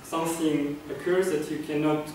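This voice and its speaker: Speaking in a meeting room, a club speaker from Kazakhstan gives a prepared, earnest speech, often restarting his phrases with fillers. His voice is on the high side and darkish, level in tone at a moderate pace. The far-off camera recording is echoey with a little hiss or hum.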